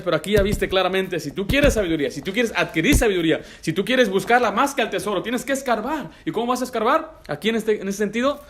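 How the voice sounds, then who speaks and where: A middle-aged man preaching a sermon to young people in a church, direct and emphatic, firing rhetorical questions and dropping in English phrases. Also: high-pitched. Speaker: pastor.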